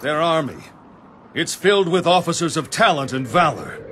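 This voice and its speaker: An actor playing a wary strategist in a game cutscene, measured and questioning. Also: male voice, fairly high pitch, lively intonation, sharp tone, slight background noise. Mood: doubtful.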